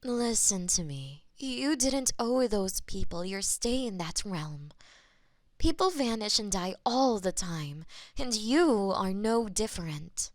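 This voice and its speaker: A woman voicing a possessive, lovestruck goddess of death in a romantic audio roleplay, murmuring intimately and slipping into breathy whispers. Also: medium pitch, sing-song, slow, no echo. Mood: firm, insistent.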